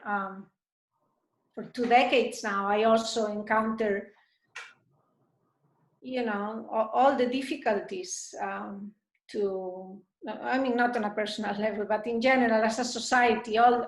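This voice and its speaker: A middle-aged woman from Spain, answering questions thoughtfully after a dharma talk, with frequent pauses and restarts. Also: a little high. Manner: thoughtful, hesitant, many restarts. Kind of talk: group discussion answer. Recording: roomy echo.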